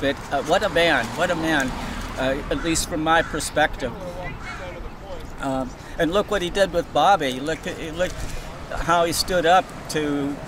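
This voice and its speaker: With an American accent and a fairly high pitch, a man talks at a fairly slow pace with ordinary pitch variation and long, frequent pauses, in a dry, echo-free recording with noticeable background noise. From United States. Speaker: national chess master. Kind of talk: interview answer. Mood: admiring, warm. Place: street. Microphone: phone near.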